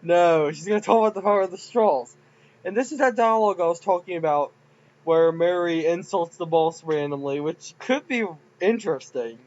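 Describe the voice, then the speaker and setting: A man's voice: high-pitched, moderate pace, darkish tone, muffled recording. A man casually commenting on his own game files, rambling and giggly. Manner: rambling, giggly, self-mocking. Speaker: game modder.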